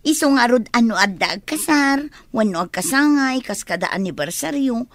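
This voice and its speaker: A woman's voice: on the high side, expressive, a little slow, no room sound. A young woman with an Ilocano accent, playing a chatty, teasing best friend in a radio drama. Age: young adult.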